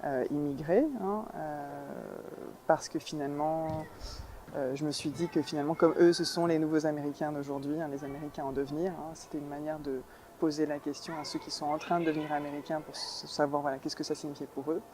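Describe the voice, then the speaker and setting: A woman's voice: low-pitched, fairly even intonation, fairly quick, a little mellow. Woman in her thirties from New York, documentary maker, hesitant and reflective delivery, faint noise behind. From New York, United States. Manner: thoughtful, hesitant, searching for words. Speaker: documentary filmmaker. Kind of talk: reflective interview answer.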